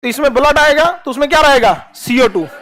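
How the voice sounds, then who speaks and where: A man's voice: extremely high pitch, fairly quick. A man teaching a class, firing questions and repeating answers in a call-and-response drill. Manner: animated, drills students with repeated questions and acted asides.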